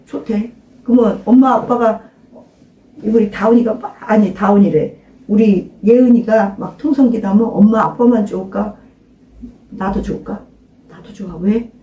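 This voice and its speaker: The lo-fi recording catches an older woman pastor speaking emphatically at normal speed in a medium pitch, with a distant mic and roomy echo. In this informal sermon to a small congregation, she questions her listeners and urges them to pray loudly.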